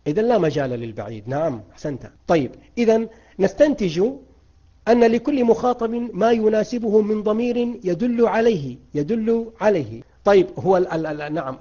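Male grammar teacher, slightly high, husky voice; coaxing and quizzing his class. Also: animated, brisk, mellow, dull audio. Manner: asks students questions and praises their answers. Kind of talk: online grammar lesson.

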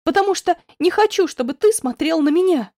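A woman's voice: sits high, lively intonation, normal speed, a little mellow, dry recording, studio quality. A woman voicing a distraught young woman, speaking in raised, pleading, tearful outbursts.

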